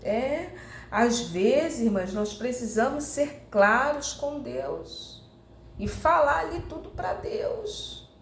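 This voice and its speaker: A woman's voice: high voice, expressive, takes it slowly, gravelly. Earnest Brazilian woman preaching to sisters. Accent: Brazilian Portuguese. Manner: earnest, repeating "irmãs" often; acts out heartfelt prayers to the Lord. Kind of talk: sermon. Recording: roomy echo, faint noise.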